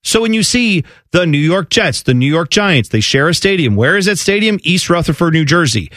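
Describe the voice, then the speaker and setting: A man's voice: on the high side, very animated, a little fast, fairly bright tone, dry recording. A man co-hosting a sports radio show in a studio, making his point in an emphatic, argumentative way. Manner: emphatic, argumentative, chuckles often. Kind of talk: casual sports radio chat.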